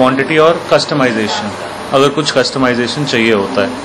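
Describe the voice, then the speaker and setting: Delivered at a moderate pace with ordinary pitch variation, the speech sits over noticeable background noise. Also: man. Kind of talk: interview answer. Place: cafe. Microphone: handheld.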